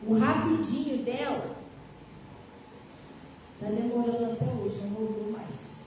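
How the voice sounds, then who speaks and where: A woman's voice: fairly high pitch, unhurried, a little mellow. A woman pastor preaching a sermon, telling a story emphatically and turning to the congregation. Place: church hall. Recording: echoey hall from far off, faint noise.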